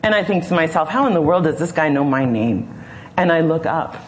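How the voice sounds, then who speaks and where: A woman voicing an awestruck woman disciple who excitedly retells her story. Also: deep voice, fairly quick, slight background noise. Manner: excited, incredulous, animated storytelling.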